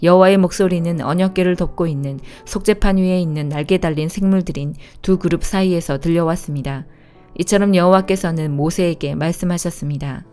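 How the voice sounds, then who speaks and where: Low, mellow-voiced woman reading scripture. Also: smooth. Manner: calm, measured reading aloud. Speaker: Bible reader. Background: faint instrumental music.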